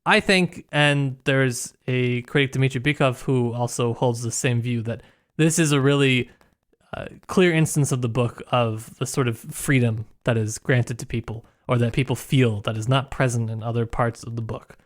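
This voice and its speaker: A man co-hosting a casual literary discussion, talking in a halting way as he searches for his words. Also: mid-range voice, fairly even intonation. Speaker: podcast co-host.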